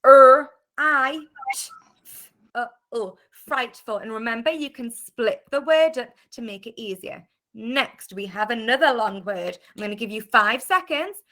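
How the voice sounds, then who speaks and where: A British woman teaching an online phonics class to young children, sounding out letters clearly and praising often. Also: on the high side, measured pace, sharp tone. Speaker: primary school teacher. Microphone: video call.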